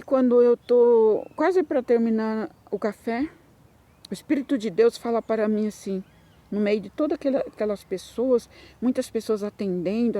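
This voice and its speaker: Brazilian woman preaching her testimony, warm mellow voice, repeats herself, gets fired up. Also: on the high side. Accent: Brazilian Portuguese. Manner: emotional, repetitive storytelling, rising to fervent bursts. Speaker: Christian preacher giving testimony. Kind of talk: fervent spoken testimony.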